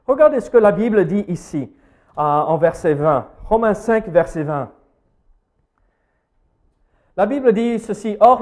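High-voiced man with an American accent preaching. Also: a little mellow. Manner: hesitant, many fillers, asks the audience questions. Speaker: pastor. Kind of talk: sermon.

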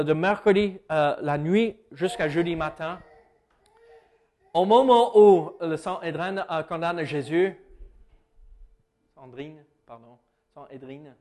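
An American man preaches in a loose, conversational way, often pausing and correcting himself. His voice sits a little high. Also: a little mellow. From United States. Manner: conversational, many hesitations and self-corrections. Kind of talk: sermon.

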